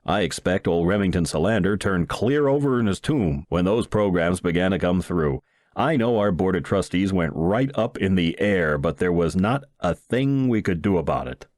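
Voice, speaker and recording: A man's voice: sits low, animated, moderate pace, darkish tone, dry recording, studio quality. A man reading a humorous first-person short story aloud in the manner of a wry storyteller. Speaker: audiobook reader.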